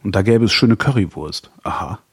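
Chatty husky man, dry close sound. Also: fairly low pitch, animated, a little fast, dry recording. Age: 40s. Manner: chatty, laughs often, rambling restarts. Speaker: podcast co-host. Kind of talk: casual chat.

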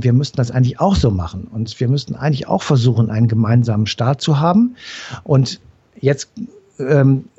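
Patient, husky man explaining history. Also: medium pitch, mellow, lo-fi sound. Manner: patient, explaining step by step with many fillers. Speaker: history expert guest. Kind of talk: explanatory conversation.

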